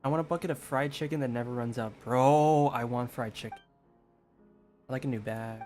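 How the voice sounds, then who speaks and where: A man's voice: mid-range voice, brisk, a little mellow. A man giving informal let's-play commentary, thinking aloud casually over game music. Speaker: video game streamer.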